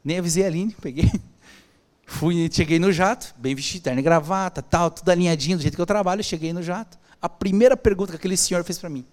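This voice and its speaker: A man with a Brazilian Portuguese accent telling a personal story as a podcast guest, acting out the dialogue in an animated way. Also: high voice, fast talker. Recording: long hall reverb.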